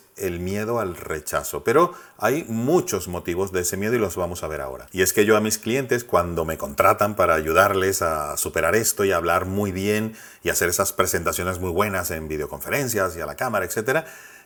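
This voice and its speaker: With a very deep, low pitch, a man talks at a moderate pace and ordinary pitch variation. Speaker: communication consultant. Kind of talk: casual talk to camera.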